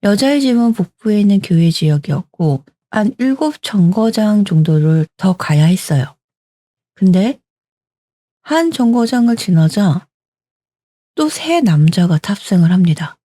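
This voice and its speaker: A woman's voice: mid-range voice, sing-song, measured pace, dark tone, no room sound. A woman in her forties telling a story in a conversational, dramatic way into a studio microphone at home. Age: 40s. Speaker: storyteller host. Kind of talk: told story narration.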